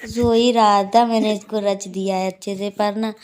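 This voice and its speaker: A woman's voice: medium pitch, flat delivery, moderate pace, darkish tone, clear, resonant tone. A young woman vlogging at home at night, chatting and laughing as she tells what the kids are doing. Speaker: family vlogger. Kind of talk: casual vlog narration. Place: dark room at home at night. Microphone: phone on a tripod.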